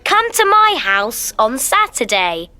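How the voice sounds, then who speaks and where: A bright cheerful teen girl. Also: fairly high pitch, sing-song, full character voice. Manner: clear, deliberate delivery. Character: cheerful teenage girl inviting a friend. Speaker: voice actor in textbook audio. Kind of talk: scripted dialogue for learners.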